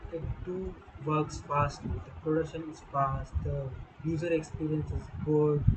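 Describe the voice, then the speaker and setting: A man talks fairly slowly at a fairly high pitch, his intonation monotone and flat. There is noticeable background noise and audible room echo. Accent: non-native. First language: not English. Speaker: tech streamer. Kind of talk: live stream commentary. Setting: live stream. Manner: halting.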